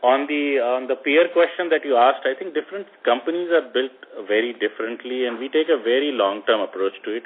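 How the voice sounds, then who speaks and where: A man, an executive giving measured answers on an earnings call. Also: on the low side, slight background noise. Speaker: company executive. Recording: phone line.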